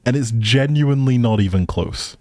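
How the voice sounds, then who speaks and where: A man's voice: mid-range voice, moderate pace, warm tone, no room sound. A man hosting a livestream, chatting casually and informally straight to his viewers. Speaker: livestream host.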